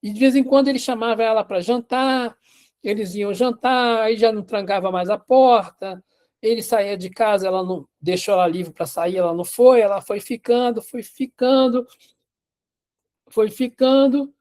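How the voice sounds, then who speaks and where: Male teacher, casual storyteller, restarts a lot, mellow dark voice. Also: high-pitched, fairly even intonation, moderate pace. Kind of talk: storytelling in a class.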